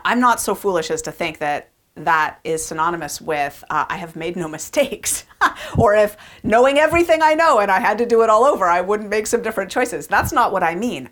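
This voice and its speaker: A woman in her forties hosting a podcast, talking in an earnest, chatty way about personal reflections, with frequent fillers. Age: 40s. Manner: chatty and earnest, with many fillers and lively pitch jumps. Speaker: podcast host.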